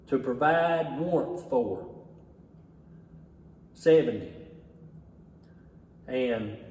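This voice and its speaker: A man's voice: on the high side, darkish tone. A man with a Southern US accent talking casually and off the cuff to the camera in a folksy, plainspoken way. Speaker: relief effort organizer presenting donations. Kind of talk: casual unscripted talk to camera. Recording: echoey, distant mic, faint background noise.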